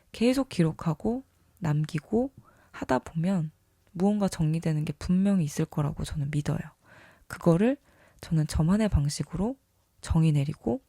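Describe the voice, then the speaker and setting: Vlogger, casual reflective talk, earnest, enthusiastic, creaky voice, medium pitch, dry close sound. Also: dark tone, no room sound. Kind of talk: casual reflective self-talk to camera or mic.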